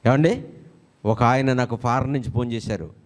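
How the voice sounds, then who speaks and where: A man preaching a sermon as a pastor, with a Telugu accent, animated and joking, acting out quotes. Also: mid-range voice, moderate pace.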